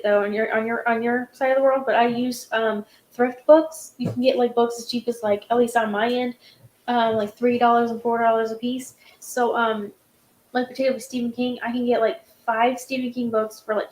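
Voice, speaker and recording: A woman hosting a casual chat about books, rambling with many fillers and restarts. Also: on the high side. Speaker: host. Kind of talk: casual video-call chat. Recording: roomy echo.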